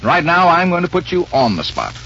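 A man announcing and reading sponsor lines on an old radio broadcast in a smooth, formal delivery. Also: a little high, wildly swooping pitch, brisk, pushed and bright. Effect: old radio broadcast sound. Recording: muffled old radio recording with faint hiss.

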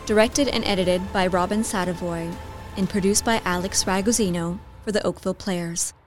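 A woman's voice: on the low side, steady tone, moderate pace, faint music behind. A woman announcer reading scripted credits for a radio play.

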